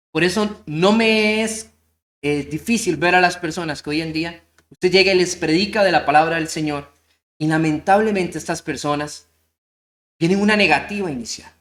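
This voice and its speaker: A man preaching a sermon, telling a story earnestly and slowing down on key points. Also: a little high, fairly bright tone. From Costa Rica. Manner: storytelling, earnest, slows down for emphasis.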